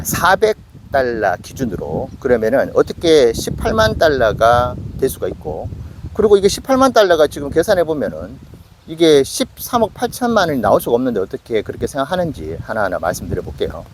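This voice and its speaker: Casual investing host, man in his late forties, lively delivery. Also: mid-range voice, slight background noise. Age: 40s. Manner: conversational, self-questioning with acted asides. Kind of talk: casual investing talk to camera.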